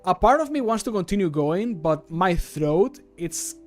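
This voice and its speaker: A man's voice: sits high, animated, a little slow, faint music behind. A man in his thirties chatting casually and informally as a livestreamer. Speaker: streamer and game modder. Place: small room at home, indoors.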